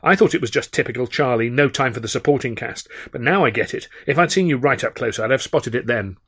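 A man's voice: mid-range voice, quick pace, fairly bright tone, breathy edge. A man voicing a chatty young actress in a theatre troupe, talking eagerly.

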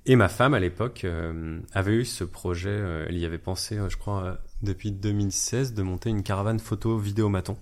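Thirties man, deep voice; laid-back, hesitant interview guest. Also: a little fast, hardly any pauses. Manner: relaxed, hesitant with many fillers. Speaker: guest, wedding videographer. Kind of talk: casual interview chat.

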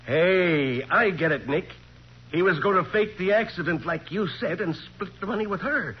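An American actor playing a blunt, folksy sheriff in a 1940s radio crime drama, colloquial and exclamatory. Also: male voice, sits high, animated, moderate pace, a little hiss or hum. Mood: blunt, excitable. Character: blunt, folksy small-town sheriff, a man. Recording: dull 1940s radio recording.

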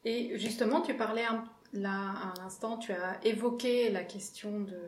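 A woman asks an interview question in a measured way, pausing to search for her words. Her voice has a middle pitch, and the recording carries a roomy echo around it. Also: fairly even intonation.

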